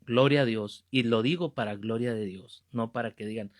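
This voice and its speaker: A Catholic preacher in his 50s teaches a Bible class with fervour and emphasis, repeating key phrases. His male voice sits in the mid-range, and he speaks at a moderate pace.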